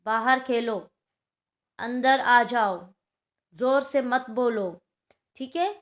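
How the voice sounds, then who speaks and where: A woman's voice: fairly high pitch, very slow. A woman teaching a Hindi grammar lesson to schoolchildren, explaining patiently and checking in often with her class.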